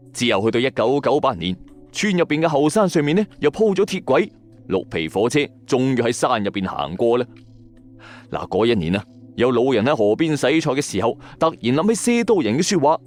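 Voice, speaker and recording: Male late-night mystery narrator, Hong Kong Cantonese accent, medium pitch with lively swings, dramatic delivery over background music. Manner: dramatic storyteller addressing listeners, acting out quoted lines. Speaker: host of a late-night ghost story and urban legend show. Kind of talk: scripted storytelling narration of eerie tales.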